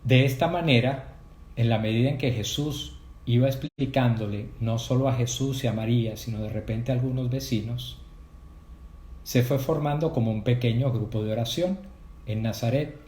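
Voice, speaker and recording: Measured man giving a religious talk. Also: mid-range voice, a little mellow, roomy sound. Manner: measured, explanatory, addresses listeners directly. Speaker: prayer group speaker. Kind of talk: catechetical talk.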